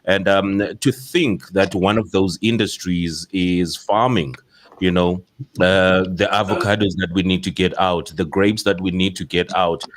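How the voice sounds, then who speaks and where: A man's voice: deep voice, steady tone, a little slow. A South African man hosting a casual podcast discussion, talking in a rambling way with many fillers and restarts. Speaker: podcast host.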